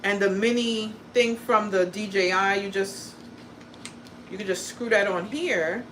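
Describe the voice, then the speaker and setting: A woman born in Guyana and raised in the US chats on her crafting livestream in a somewhat high voice. She is blunt and profane, quick to poke fun at herself, and keeps it loose and casual. A faint hum of room noise sits behind her. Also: fairly bright tone, rough recording. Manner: blunt and profane, chatty, self-deprecating. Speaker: crafting content creator and livestream host.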